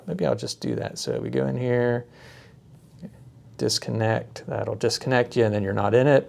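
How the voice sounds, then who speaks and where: A man giving a casual, unscripted product demonstration, speaking haltingly as he thinks aloud. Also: mid-range voice, gravelly, a little mellow.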